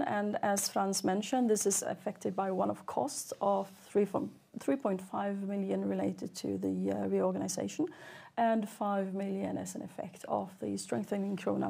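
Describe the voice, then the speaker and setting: Female CFO for an earnings call: soft-edged, warm timbre with noticeable fry, measured and businesslike. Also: medium pitch. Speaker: chief financial officer.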